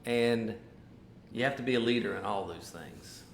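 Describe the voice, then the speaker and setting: A Virginia man in his fifties, running for mayor, is being interviewed and rambles along in a relaxed, loose way. His voice sits fairly low with some vocal fry, and he speaks at a normal speed. The casual conversation was recorded in a roomy, echoey space.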